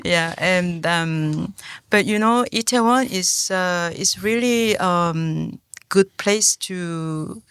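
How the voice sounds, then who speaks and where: A woman's voice: on the low side, slow, fairly bright tone, smooth, no room sound. A woman with a Korean accent, a guest author in a podcast interview, speaking hesitantly and searching for words with many fillers.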